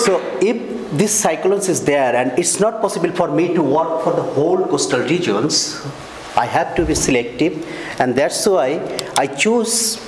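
A man from Bangladesh, a native Bangla speaker, gives an academic talk in English with a Bangladeshi accent, formal and halting with pauses and self-corrections. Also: a little high, reverberant, a little hiss or hum, poor audio. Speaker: visiting researcher giving a lecture. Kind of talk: academic presentation. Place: lecture hall.

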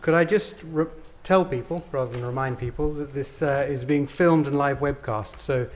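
Man chairing a lecture q&a, brisk, organising, faint background noise. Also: medium pitch. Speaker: event chair. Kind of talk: chairing a public Q&A.

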